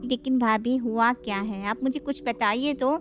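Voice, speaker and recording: Brief: woman playing a young peacemaker sister-in-law, high, sweet and soothing. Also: fairly even intonation, normal speed, soft background music, close to an everyday voice. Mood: placating. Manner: placating, gentle.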